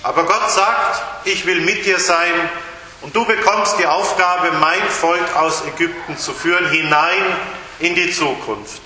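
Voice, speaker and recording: A male pastor preaching a lively sermon at a baptism service in a church, shifting his emphasis and acting out voices in quotes. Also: fairly high pitch, measured pace. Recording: very echoey church hall, faint hiss.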